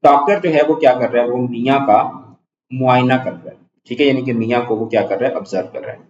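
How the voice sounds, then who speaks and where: A man's voice: mid-range voice, a little mellow. A man teaching a class lesson, reading a text aloud and explaining hard words in simpler ones. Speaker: Urdu teacher. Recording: echoey room, dull lo-fi sound.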